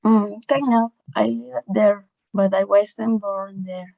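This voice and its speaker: A woman student reads a textbook dialogue aloud, slow and careful. Her voice has a gravelly edge. The dull, dry sound comes through a video call. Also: mid-range voice, steady tone, mellow, dry recording. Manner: careful, measured reading.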